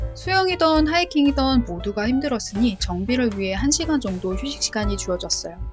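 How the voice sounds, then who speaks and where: Background music under a woman's fairly quick speech. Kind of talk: travel vlog voice-over narration. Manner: casual, chatty.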